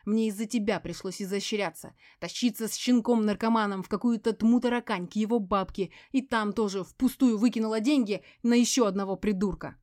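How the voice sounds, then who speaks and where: A woman reading an audiobook voices a furious, spiteful ex-wife who hisses and yells, her voice breaking into shrieks. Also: medium pitch, brisk, few pauses, dry recording, clean studio sound, natural voice. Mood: gloating, spiteful. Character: furious embittered ex-wife, spiteful poisoner, screaming.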